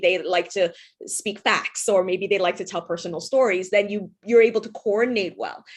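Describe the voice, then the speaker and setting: Over a quiet background, a woman uses an ordinary speaking voice at a moderate pace, medium in pitch with fairly even intonation. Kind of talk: Q&A question.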